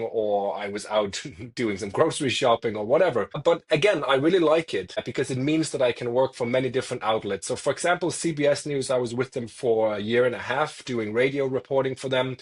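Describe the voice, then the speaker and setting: A Danish man in his thirties with a husky, mid-pitched voice speaks briskly as a freelance journalist guest on a podcast. He gives conversational interview answers, thinking aloud thoughtfully, often restarting phrases and repeating words as he searches for the right wording.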